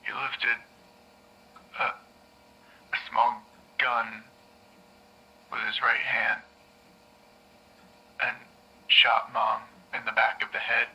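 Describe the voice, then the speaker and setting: An actor playing a shaken young man recounting a trauma on a tape recording, halting and stammering, sometimes dropping to a whisper. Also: mid-range voice, little pitch movement, creaky, bright, forceful tone, breathy edge, full character voice, poor audio. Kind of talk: audio drama narration.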